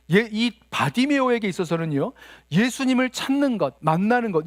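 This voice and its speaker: High, lively-voiced male pastor preaching. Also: no room sound, clean studio sound. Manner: earnest, rhetorical, asks the congregation questions. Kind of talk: sermon.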